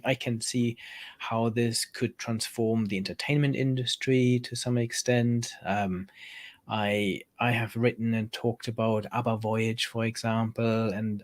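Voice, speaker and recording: A man hosting an interview, asking his question with many ums and repeated words. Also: mid-range voice. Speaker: interview host.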